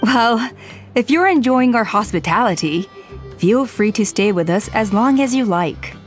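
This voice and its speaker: Gracious, weary tribal elder. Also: female voice, a little high, expressive, a little slow. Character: older female tribal elder, gracious, weary, self-effacing leader. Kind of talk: video game voice acting. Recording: music playing behind the voice.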